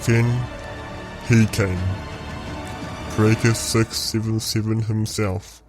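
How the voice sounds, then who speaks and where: A man playing a vengeful clone villain in an audio roleplay, telling his story in a deliberate, gloating, theatrical way. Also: lowish voice, little pitch movement. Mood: bitter. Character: vengeful male clone villain plotting to destroy a reality. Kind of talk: scripted audio roleplay monologue. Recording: music behind the voice.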